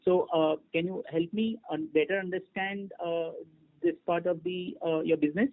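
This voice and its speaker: A man's voice: high voice, steady tone, normal speed. A man, an analyst, politely asks questions on an earnings call in hesitant, piecemeal phrases. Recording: narrow phone line.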